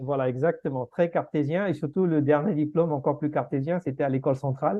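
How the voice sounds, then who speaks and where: Keeping very even loudness, a man talks at a fairly quick pace with fairly high pitch. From India, Pondicherry (French school). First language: Tamil (speaking French). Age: 50s. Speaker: innovation researcher. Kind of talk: podcast interview. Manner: hesitant, many fillers.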